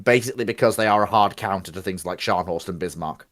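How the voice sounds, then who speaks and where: A man with a fairly low voice takes part in a casual live debate. He thinks out loud, making hesitant starts before settling into his argument. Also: fast, no echo, clean studio sound. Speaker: panelist.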